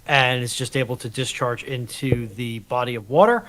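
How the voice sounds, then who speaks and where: A man giving unscripted technical explanations in a measured, halting way, as a panellist on a live stream. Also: mid-range voice, a bit bright.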